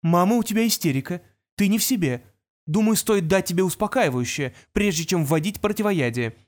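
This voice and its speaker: A woman reading the part of a cold, brilliant teenage boy in an audiobook, speaking in a calm, measured way. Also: lowish voice, pitched above the performer's own voice, close to an everyday voice. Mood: tense.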